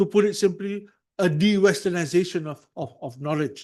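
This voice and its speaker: A high-pitched man's voice with a Malaysian accent. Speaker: professor giving a lecture. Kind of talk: lecture. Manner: halting, many fillers and repetitions.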